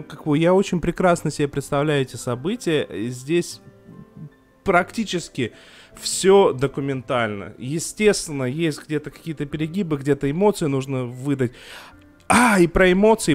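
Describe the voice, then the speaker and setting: A man's voice: fairly high pitch, animated, normal speed, faint music behind. A young man co-hosting a podcast about TV series, talking casually and emotionally, with frequent restarts and filler sounds. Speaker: podcast co-host reviewing TV series.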